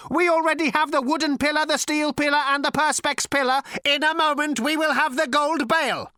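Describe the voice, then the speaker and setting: A man voicing an ancient, cold and lifeless robot with a cultured rasp, speaking flatly and patiently. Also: very high-pitched, a little fast, no echo, clean studio sound, pitched above the performer's own voice. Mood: menacing. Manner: flat, patient, menacing.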